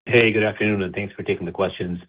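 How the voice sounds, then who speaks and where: A man's voice: fairly low pitch, fairly even intonation, fast talker, husky. A man speaking as a financial analyst, putting a question on a conference call. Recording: tinny narrow phone-line sound.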